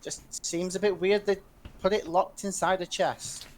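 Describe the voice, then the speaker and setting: A man's voice: high voice, fairly even intonation, unhurried, a little hiss or hum. A man playing a tabletop game, chatting casually in an eager way and stumbling over words. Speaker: player.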